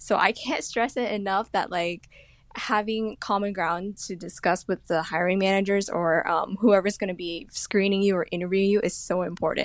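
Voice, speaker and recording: A woman with a normal speaking voice, medium pitch, fairly even intonation and a moderate pace, in a very clean recording with a silent background. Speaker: procurement specialist. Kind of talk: interview. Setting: podcast.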